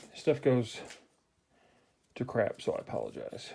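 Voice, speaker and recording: A man talks at a fairly slow pace. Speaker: trading card collector. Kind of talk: casual unboxing commentary. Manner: mumbling at times.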